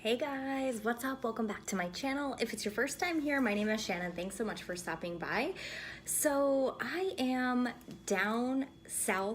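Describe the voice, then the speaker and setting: The speaker talks quietly with lively intonation. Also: woman. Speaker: beauty vlogger. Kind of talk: casual product haul vlog. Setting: hotel room.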